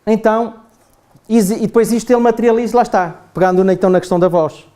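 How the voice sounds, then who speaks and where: A man's voice: high voice, fast talker, mellow, smooth. A man with a European Portuguese accent giving a chatty classroom talk to adults, often asking the group "não é?". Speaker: trainer. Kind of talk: classroom lecture.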